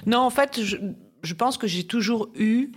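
A woman in her forties from Paris chats freely as a guest on a business podcast. She talks in lively bursts, full of asides and easy laughter, in a fairly low voice for a woman. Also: slightly rough. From Paris, France. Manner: chatty and lively, quick asides, frequent laughs. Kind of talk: casual interview chat.

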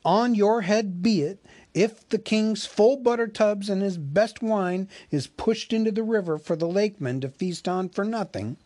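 A man reading an audiobook aloud, voicing a band of merry, tipsy male elves with loud, jeering voices. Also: high voice, unhurried, pitched above the performer's own voice. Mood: mocking. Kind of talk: audiobook character voice.

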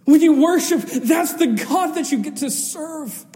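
A man's voice: very high-pitched, unhurried. A man preaching a sermon to a congregation as pastor, solemn, earnest and emphatic in his delivery. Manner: earnest and emphatic, swinging between raised and hushed delivery. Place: large reverberant church hall. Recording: long hall reverb.

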